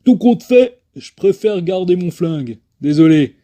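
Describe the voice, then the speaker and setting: Man doing a bossy cowboy, muffled mellow voice. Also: high-pitched, animated, unhurried, voice pushed up. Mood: bossy, petulant. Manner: petulant, bickering orders. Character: bossy, contrary male cowboy gunslinger in a parody western. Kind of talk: film dub parody.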